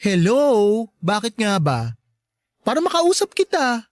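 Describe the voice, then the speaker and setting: Campy, sassy gay best friend. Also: male voice, high voice, huge pitch swings, no room sound, exaggerated voice. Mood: sassy, teasing. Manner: campy, teasing, drawn-out emphatic words. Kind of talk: Tagalog radio drama acting.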